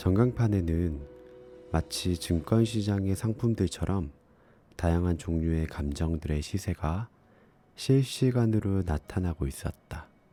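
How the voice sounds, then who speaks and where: In a calm, soothing tone, a man speaks at a very slow pace with a very deep, low pitch. His voice is dark and mellow, with ordinary pitch variation. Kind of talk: fiction reading.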